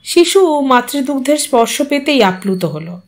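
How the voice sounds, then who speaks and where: A woman narrating an audio story with an expressive, dramatic reading. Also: high voice, measured pace.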